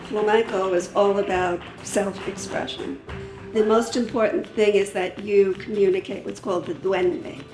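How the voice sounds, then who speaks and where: A middle-aged woman, a flamenco teacher, speaking reflectively in an interview with pauses and fillers. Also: mid-range voice, fairly even intonation, darkish tone. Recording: roomy sound, music faintly behind.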